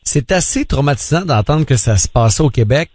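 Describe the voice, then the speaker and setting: A male radio host with a Québécois accent interviews a guest. He talks in a relaxed, conversational way, softening his questions with small fillers. His voice sits at a middle pitch for a man. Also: fairly quick, no echo, clean studio sound. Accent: Québécois French. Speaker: radio morning show host.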